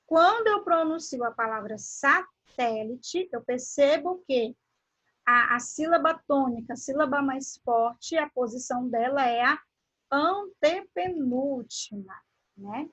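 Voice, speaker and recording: A woman teacher, speaking unhurriedly and stretching out each example word. Her voice sits fairly high and has a soft, husky edge. She keeps putting questions to the class as she explains. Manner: slow, drawn-out word pronunciation with questions to the class. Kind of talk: classroom grammar lesson.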